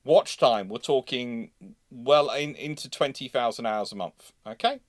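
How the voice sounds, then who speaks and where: Halting male livestream host, close dry sound. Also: medium pitch, no echo. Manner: halting, repeats phrases, self-interrupting. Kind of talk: casual live question-and-answer chat.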